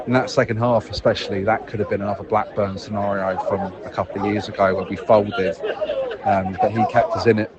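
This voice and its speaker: A man's voice: fairly low pitch, muffled recording. A man leaving a casual, unscripted match report as a fan, hesitant but thoughtful and analytical. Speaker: football fan leaving a voicemail.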